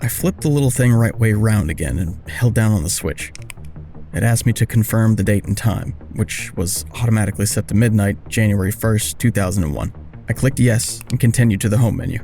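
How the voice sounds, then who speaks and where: A man tells a scripted first-person story with a low, gravelly and soft-edged voice. His delivery is wry and confessional, like someone owning up to his own misadventure. Faint music sits behind him. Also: a little fast. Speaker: first-person narrator of an audio drama.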